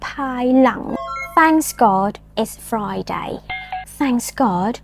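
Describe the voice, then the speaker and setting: Woman, English teacher, playful, teasing, slow pronunciation drills, faint background music. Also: fairly high pitch, animated, creaky. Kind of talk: lesson with repeat-after-me drills.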